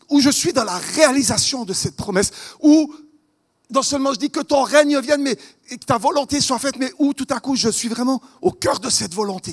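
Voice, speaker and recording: A man with a Vaud Swiss French accent preaching a sermon at a church conference, earnest and questioning, swinging between loud emphasis and hushed lines. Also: very high-pitched, breathy edge. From Vaud, Switzerland.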